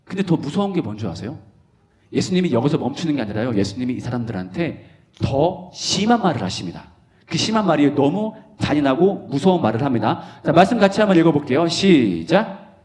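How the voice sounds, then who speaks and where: A man preaching a lively sermon to a youth conference, quizzing the audience and acting out scenes playfully. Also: on the high side, a little fast. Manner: animated, questioning the audience, playful.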